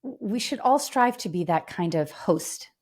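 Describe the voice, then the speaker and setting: A woman's voice: medium pitch, expressive, a little slow, darkish tone. A woman co-hosting a podcast, talking in a reflective, conversational way. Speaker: podcast co-host.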